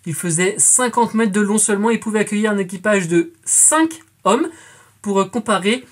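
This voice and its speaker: A young woman hosts a scripted culture quiz with a slightly husky, breathy voice. She talks to her audience like friends and drops playful, joking asides between the questions. Her pitch sits in a middle register. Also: normal speed. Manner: chatty, addresses viewers as friends with playful asides. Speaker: quiz show host.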